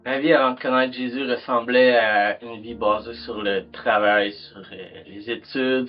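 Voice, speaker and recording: Quebec French man, 20s, low-ish voice, calm testimony, muffled mix with soft music. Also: far from the mic. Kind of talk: testimony video. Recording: dull recording with soft music.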